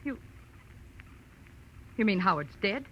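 A woman's voice: mid-range voice, expressive, slow pace, muffled recording. An actress playing a tough, bitter female nightclub singer in a 1940s radio detective drama. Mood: hard, defiant.

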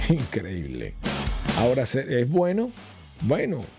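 A man's voice: medium pitch, takes it slowly, vocal fry, over music. A man hosting a podcast from a small home studio, talking casually and animatedly to camera with rhetorical questions. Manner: animated, addresses viewers directly with rhetorical questions. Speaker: podcast host and radio announcer. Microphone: studio microphone.

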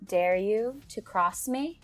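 A woman's voice: mid-range voice, expressive, slow, faint music behind. A woman doing a theatrical young girl knight. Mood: grandiose. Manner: mock-grand, theatrical pronouncements. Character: a bold young girl playing a grand knight.

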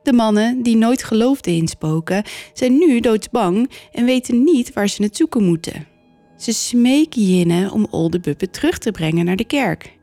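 A woman's voice: on the high side, moderate pace, no room sound, soft background music. Woman telling a folk tale. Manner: clear, steady storytelling. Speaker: podcast host. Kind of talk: storytelling narration.

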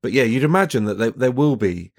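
A man talking casually as a football journalist on a podcast, thinking aloud in halting, repeated starts. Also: medium pitch, expressive, darkish tone.

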